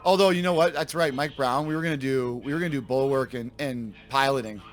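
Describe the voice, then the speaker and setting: A man with a slightly raspy voice from a sore throat, casually commenting on his game for viewers and thinking aloud as he corrects himself. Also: mid-range voice, fast talker. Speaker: let's play host.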